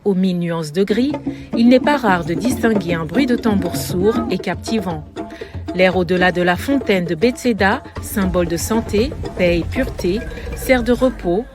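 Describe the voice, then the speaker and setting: A woman reporter reading a scripted news feature narration in a measured, lyrical way. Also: mid-range voice. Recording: voice-over with music bed.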